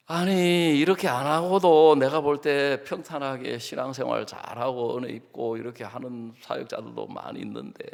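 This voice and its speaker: A man preaching a sermon as a pastor, acting out his arguments and prayers, dropping to hushed asides and rising to loud outbursts, often asking the congregation short questions. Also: medium pitch, creaky. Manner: dramatic, swings between soft asides and loud outbursts. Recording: long hall reverb.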